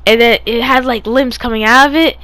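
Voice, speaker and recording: A young woman casually telling stories of dreams in a puzzled, halting way, repeating and trailing off. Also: a little high, fairly even intonation, bright, forceful tone, dry recording. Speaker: storyteller recounting own dreams. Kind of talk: casual story time over gameplay.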